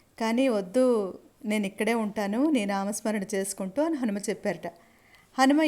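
A woman speaks in an ordinary speaking voice on a very clean recording with a silent background. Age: 50s. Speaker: devotional vlogger. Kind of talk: travel vlog narration.

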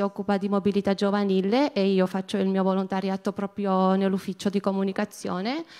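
A woman with a Georgian accent speaks at a medium pitch in a dark, mellow tone, keeping a moderate pace with hardly any pauses. Her loudness is very even, and the recording is very clean with a silent background. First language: Georgian (speaking Italian). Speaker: European volunteer. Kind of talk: testimony.

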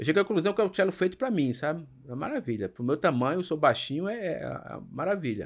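Against a quiet background, a man talks at a very fast pace with hardly any pauses, his fairly high pitch swinging very widely through vocal fry. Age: 50s. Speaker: orchestral cellist; podcast guest. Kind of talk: casual interview. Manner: halting, repeats words. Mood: warm, emotional about music. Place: studio. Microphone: studio mic.

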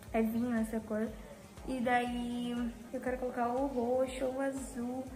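A high-pitched woman's voice, with light background noise and audible room echo. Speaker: vlogger. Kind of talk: casual vlog chat.

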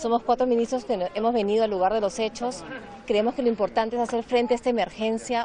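A woman is speaking. The sound is dry with no echo, over light background noise. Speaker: government minister. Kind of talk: interview answer. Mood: serious, solidary. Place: street. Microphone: handheld.

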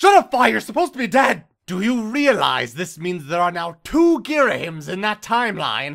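In a put-on character voice, a man with a high pitch makes very wide pitch swings and hardly any pauses, on a very clean recording with a silent background. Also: moderate pace. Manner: scolding, irritated.

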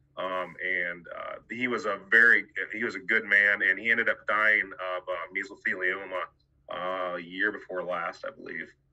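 A man with a Midwestern American accent at a moderate pace, against a quiet background. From northern Ohio. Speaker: wilderness survival instructor and outdoor gear seller; guest. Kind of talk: interview answering student questions. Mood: relaxed, storytelling. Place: home room. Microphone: video call.

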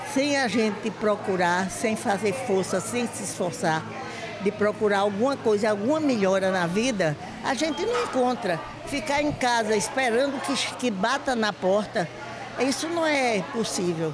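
Noticeable background noise runs behind a woman speaking at a fairly slow pace. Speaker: interviewee. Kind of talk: interview answer. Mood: warm, grateful. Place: gym. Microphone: handheld.

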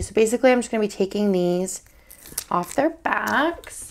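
Her intonation is lively. This woman's pitch is fairly high. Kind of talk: casual chatty video. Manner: casual, rambling, chatty.

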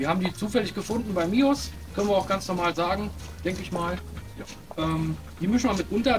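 A man's high-pitched voice with ordinary pitch variation, and clear music in the background. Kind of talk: cooking tutorial. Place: garden. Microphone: camera far.

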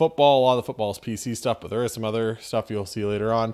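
Fairly even intonation from a male speaker. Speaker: card collector channel host. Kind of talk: casual vlog chat. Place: home room. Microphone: studio mic.

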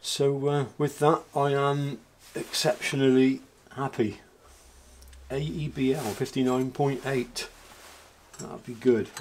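A man with a British accent speaks at a very slow pace, his fairly high pitch carried by fairly even intonation. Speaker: knifemaker. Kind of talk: casual tutorial. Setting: workshop, self-filmed. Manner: hesitant, many fillers.

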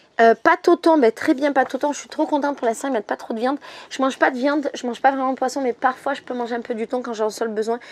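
Very fast and high-pitched, a woman speaks. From France, banlieue cité, Maghrebi family. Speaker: book and lifestyle youtuber; lifestyle youtuber. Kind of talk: casual book review vlog. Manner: animated. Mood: cheerful, enthusiastic. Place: home room.

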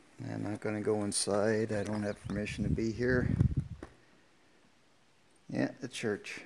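A man's speech comes through noticeable background noise. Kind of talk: casual vlog chat. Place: open country. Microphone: phone near.

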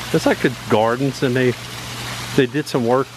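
The sound is dry with no echo, but there is noticeable background noise. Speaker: travel vlogger. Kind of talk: casual vlog chat. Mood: playful, joking. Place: garden. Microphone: phone near.

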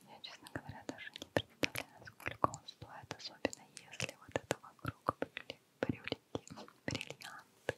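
A woman whispers in a gentle tone at a fairly slow pace. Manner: close, gentle whisper.

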